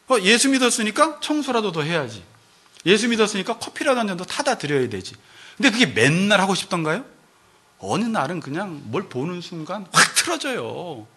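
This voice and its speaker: A man preaching from the pulpit with a high, bright, lively voice that swoops up and down. He is animated and often drops into little acted-out voices of churchgoers to make his point. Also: slightly rough. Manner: animated, acts out congregants' voices in quotes. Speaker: pastor. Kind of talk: sermon.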